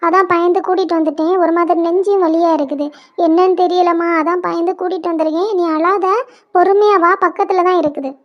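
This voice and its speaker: A woman voicing a caring mother in a cartoon, speaking in a soothing, reassuring way. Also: extremely high pitch. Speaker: voice actor for mother and other female figures. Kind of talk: cartoon voice acting. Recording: dull lo-fi sound.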